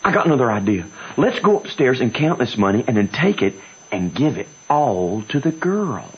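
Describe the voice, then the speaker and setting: An actor playing a gleeful, scheming swindler's sidekick with a husky voice in an old radio drama. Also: male voice, mid-range voice, sing-song, moderate pace, full character voice. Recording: muffled old radio recording.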